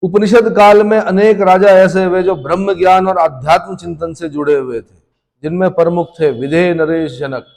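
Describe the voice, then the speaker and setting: Quizzing history teacher, echoing room. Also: male voice, high-pitched, fairly even intonation, normal speed, a little mellow. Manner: asks students questions and answers them himself. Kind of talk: classroom lecture for exam prep. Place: classroom. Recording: long reverberant room echo.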